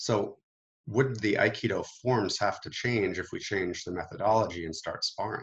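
A man speaks at a moderate pace in a somewhat breathy voice. His pitch sits in the medium range with ordinary variation. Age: 30s. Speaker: martial arts teacher. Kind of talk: casual chat.

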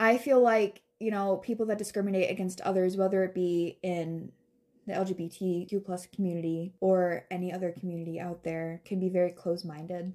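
With an American accent, a woman speaks in a dark, mellow tone at a moderate pace, her intonation fairly even. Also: medium pitch for a woman. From Metro Detroit, Michigan. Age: 20s. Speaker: podcast co-host. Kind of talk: casual chat.

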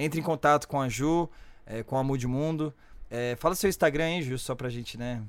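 This is an ordinary speaking voice at a moderate pace, with ordinary pitch variation. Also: man, fairly high pitch for a man. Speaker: podcast host. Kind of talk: casual interview. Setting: live stream studio.

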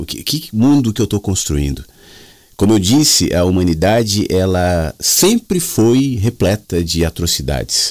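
Very clean and recorded against a silent background, this clip features a man with a fairly low pitch. His pitch swings very widely. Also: fairly slow pace. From São Paulo, Brazil. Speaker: radio host. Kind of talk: live radio show, talking to listeners. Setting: radio studio.

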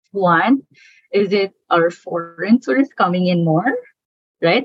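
The woman's voice is somewhat breathy. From Philippines. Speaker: tech startup founder. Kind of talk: interview.

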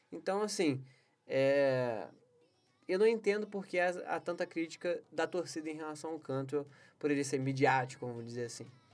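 A man with a plain, everyday voice talks at a fairly high pitch with lively intonation. His pace is moderate, and the recording is very clean with a silent background. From Brazil. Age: 20s. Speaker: football podcast host. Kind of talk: casual football podcast monologue.

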